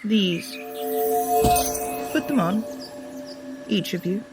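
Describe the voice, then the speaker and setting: A woman playing a wise, grave, gracious goddess in a scripted audio drama, speaking in measured, solemn formal language. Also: mid-range voice, animated, over loud music.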